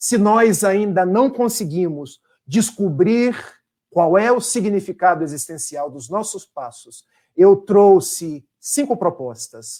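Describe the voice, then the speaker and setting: A man with a high pitch speaks at a very slow pace. His intonation is lively, and his loudness swings widely. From Brazil, rural Rio de Janeiro state (Itaperuna). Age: 40s. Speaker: spiritist speaker. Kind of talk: religious talk. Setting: online live stream.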